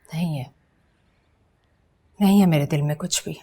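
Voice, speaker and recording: A woman's voice: deep voice, a little slow, mellow, slightly rough. An actress playing a bitter, weary mother who speaks coldly and accusingly, in Pakistani Urdu. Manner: cold, accusing. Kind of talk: TV drama acting.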